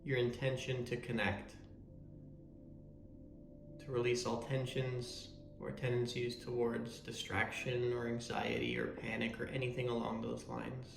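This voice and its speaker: Calm guy doing a guided meditation, soothing and measured, bit of vocal fry, roomy echo w music behind. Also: mid-range voice.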